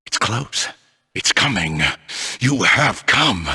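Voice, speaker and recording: An actor playing a frenzied occult madman in a crime video game, raving in chants that swing between shouts and murmurs. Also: medium pitch, lively intonation, slow, full character voice. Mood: ominous. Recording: long hall reverb.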